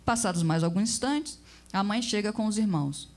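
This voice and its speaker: A woman reading a story aloud with expressive, measured narration. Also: mid-range voice.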